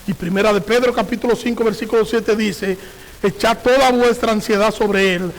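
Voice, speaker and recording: A man with a strikingly high voice delivers a sermon as a pastor. He leans on repetition and rhetorical questions, and he reads scripture passages aloud. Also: steady tone, normal speed, slight background noise, rough recording.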